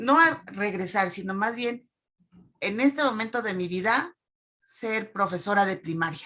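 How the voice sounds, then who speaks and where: At a fairly slow pace, a woman talks in a medium-pitched voice with lively intonation. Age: 60s. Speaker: teacher. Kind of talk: audience comment in online talk. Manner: halting, many fillers.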